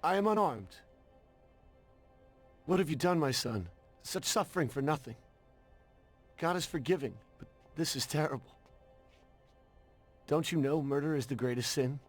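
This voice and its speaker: An actor playing a solemn, reproachful Catholic priest in a video game drama, with a preaching delivery. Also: male voice, fairly high pitch, lively intonation, normal speed, pauses often, faint music behind. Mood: anguished, reproachful.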